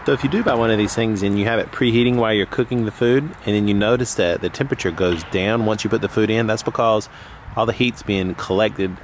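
A man in his thirties hosting a casual how-to vlog outdoors in a backyard, chatting in a loose, relaxed way with restarts. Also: on the low side, fast, recorded from a distance. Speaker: host. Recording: outdoor noise behind.

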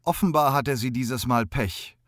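A man reading an audiobook in a steady, even scripted narration on a close studio mic. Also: medium pitch, a little slow, no room sound.

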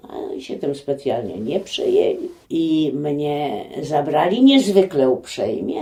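An older woman giving a spontaneous, conversational oral history recollection, halting at times and livelier when she quotes people. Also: very deep voice, warm tone. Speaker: eyewitness recalling personal memories.

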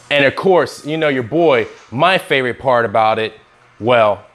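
A young man hosting an app review vlog, talking with energetic, salesy hype and catchphrases on a lapel mic. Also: medium pitch. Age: young adult. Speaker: host.

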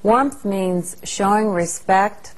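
A woman narrating a caregiver training lesson in a calm, measured instructional style. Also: medium pitch. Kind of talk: scripted narration.

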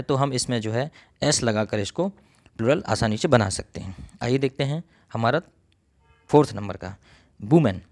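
Man explaining grammar step by step. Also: medium pitch. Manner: explains step by step, repeats himself, often clears his throat. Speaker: English grammar teacher. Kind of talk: recorded coaching lesson.

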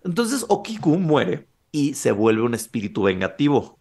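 A man co-hosting a podcast, telling a spooky legend in a relaxed, chatty way. His voice has a gravelly, creaky edge, and he slips into the characters' lines as he narrates. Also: mid-range voice, normal speed. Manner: animated, acts out quoted lines. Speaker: podcast co-host. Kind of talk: casual horror storytelling.

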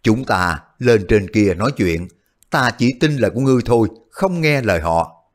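A man's voice: on the low side, animated, normal speed, close to an everyday voice. A man voicing a bold, crafty male hero who plays innocent and teases. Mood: firm. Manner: mock-innocent, teasing.

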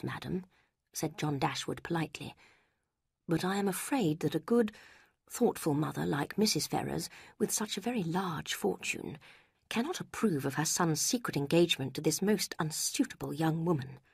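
A woman voicing a pompous, self-satisfied gentleman who speaks gravely in a low, hushed half-whisper. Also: dry recording, clean studio sound, full character voice. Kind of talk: audiobook character reading.

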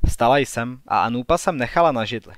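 A man's voice: mid-range voice, expressive, no room sound, studio quality. A man narrating an audiobook in the first person, reading evenly and with measure.

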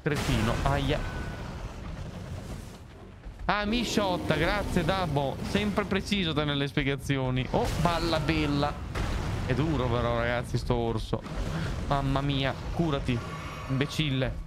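A young man streaming a game live, reacting loudly and hurling playful insults at enemies. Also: fairly high pitch, a little slow, pauses often. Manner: excitable, swears and yells insults at enemies. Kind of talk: live gameplay commentary. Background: game music.

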